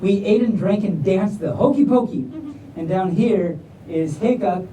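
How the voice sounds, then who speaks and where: At a live convention with an audience, a woman reads a picture book aloud in a warm, medium-pitched, unhurried voice. Her theatrical, jokey reading pauses for playful asides. The distant mic catches an echoey room and faint noise.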